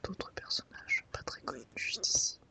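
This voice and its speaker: Whispered ASMR narrator. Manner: soft, unhurried guided browsing through a book. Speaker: ASMR video host.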